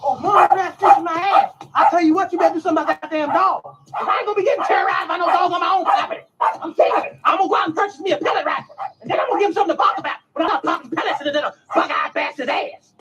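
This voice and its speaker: A woman's voice: very high voice, rapid-fire. An actor playing an irate, threatening, bullying woman in a comedy clip, ranting aggressively. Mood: furious. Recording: muffled clip with loud noise.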